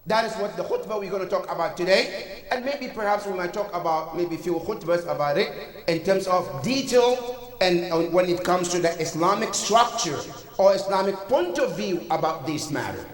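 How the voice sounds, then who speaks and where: A man's voice: sits high, expressive, normal speed. A man from Africa giving a Friday sermon as imam, earnest and full of rhetorical questions, in a mosque prayer hall. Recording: echoey hall, voice from far off.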